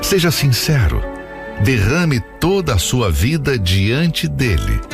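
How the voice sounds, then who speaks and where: A man narrating a solemn preaching appeal, slow and intoning. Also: mid-range voice, huge pitch swings, vocal fry. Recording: loud guitar music behind.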